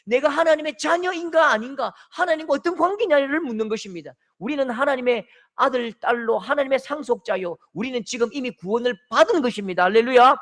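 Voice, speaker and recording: Man, pastor, Gyeongsang accent, sermon, high voice, dramatic shouts and hushed tender lines. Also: a little fast. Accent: Gyeongsang Korean. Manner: dramatic, acts out quoted voices with big swings from shouts to soft tender tones.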